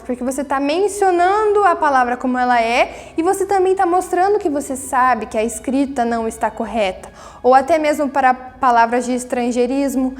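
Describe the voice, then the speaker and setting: A woman teacher talks through a review lesson in a high voice, patient and encouraging. She checks in with her students often. Her voice rings with a long reverb, and faint music plays underneath.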